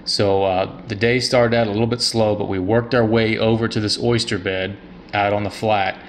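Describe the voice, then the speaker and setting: A man's voice: fairly low pitch, little pitch movement, normal speed, a little hiss or hum. A man in his thirties hosting a fishing show, talking casually and upbeat about his catches. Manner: upbeat, plainspoken angler talk. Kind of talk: casual fishing vlog narration. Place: outdoors on a boat on open water.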